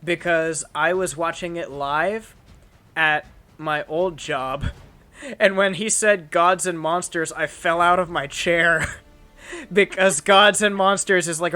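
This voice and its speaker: A man's voice: fairly high pitch, pushed and bright. A young man hosting a casual chat, rambling with lots of fillers and restarts. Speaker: channel host.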